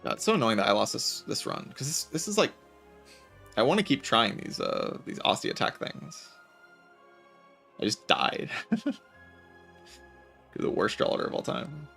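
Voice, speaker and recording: A man streaming a game, chatting casually in a relaxed, raspy voice with vocal fry, often saying "like". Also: medium pitch, moderate pace, pauses often, faint music behind. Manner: relaxed, laid-back, chatty with filler "like". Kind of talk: casual chat while gaming.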